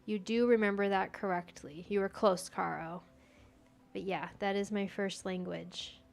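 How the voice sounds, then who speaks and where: A woman's voice: mid-range voice, steady tone, unhurried, vocal fry. Chatty young woman streaming a game. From United States. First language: Persian. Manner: chatty, talks to herself while playing. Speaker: gaming streamer. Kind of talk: casual gameplay chat, answering viewer chat.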